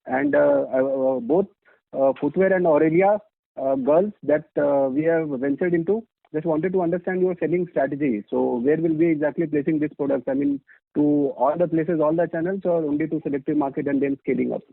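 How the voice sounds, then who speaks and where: A man's voice: fairly high pitch, a little fast, creaky, no echo. A man with an Indian accent, an analyst putting deferential, wordy questions on an earnings call. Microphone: telephone line. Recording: dry, dull phone line.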